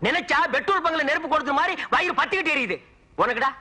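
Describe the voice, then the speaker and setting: A man's voice: very high-pitched, animated, very fast, pushed and bright, exaggerated voice. An actor playing a grumbling, sarcastic man who rants about his brother-in-law in a film comedy scene. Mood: ranting. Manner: ranting, sarcastic.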